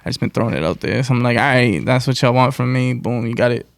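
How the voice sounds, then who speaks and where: A man's voice: medium pitch, quick pace, creaky, clean tone, dry recording. An American man talking casually in slang as a musician guest in an interview. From United States.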